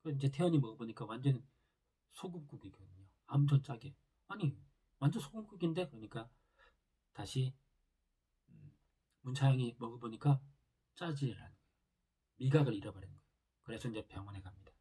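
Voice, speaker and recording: A man's voice: mid-range voice, a little fast, long pauses, mellow, slightly rough. A man retelling a TV drama's episodes in a loose, casual way, full of fillers and restarts. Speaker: drama reviewer.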